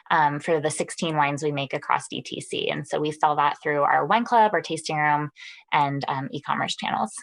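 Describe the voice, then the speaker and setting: Woman with a low voice, organized and businesslike, webinar panelist. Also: low-quality recording. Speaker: panelist, winery sales director. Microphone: video call.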